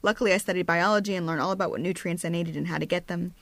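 A chatty woman hosts a podcast in a relaxed, conversational way. She reads out listener notes in a fairly low voice. The sound is close and dry. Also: rapid-fire, no echo. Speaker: podcast host. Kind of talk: casual chat.

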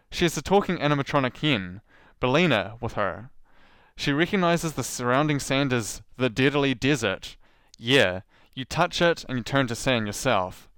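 A man's voice: mid-range voice, clear, resonant tone, dry recording, clean studio sound. A man with a New Zealand accent giving sarcastic commentary as a podcast host. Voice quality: sarcastic, animated storyteller.

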